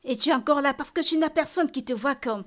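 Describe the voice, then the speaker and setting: A woman's voice: high voice, fast, lightly acted. A woman dubbing a film role: an outspoken, caring woman who talks bluntly and repeats herself insistently. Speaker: Vicky, friend tending a beaten woman. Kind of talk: French film dub.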